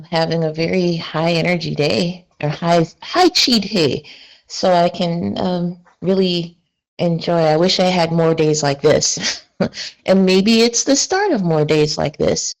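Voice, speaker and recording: Slow gravelly-voiced woman checking in. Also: lowish voice, poor audio. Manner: relaxed, easygoing. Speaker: net participant checking in. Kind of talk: casual check-in on a group call.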